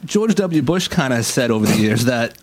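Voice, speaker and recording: A man's voice: medium pitch, very animated, a little fast, a little mellow. A man, a regular on a radio show, giving blunt opinions and teasing in casual studio chat.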